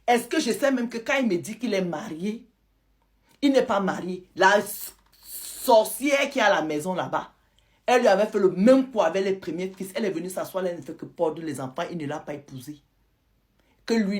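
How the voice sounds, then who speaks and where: A woman, telling a listener's story to her audience in a lively, dramatic way. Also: lowish voice, moderate pace. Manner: lively, retells a follower's account in first person. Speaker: storyteller host.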